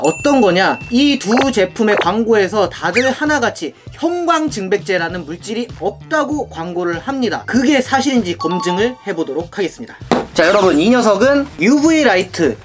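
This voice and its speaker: A young man presents a product test with a very lively, varied pitch. He talks to viewers in a polite, conversational way, and music plays behind him. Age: young adult. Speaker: product review video host. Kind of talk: casual product test commentary.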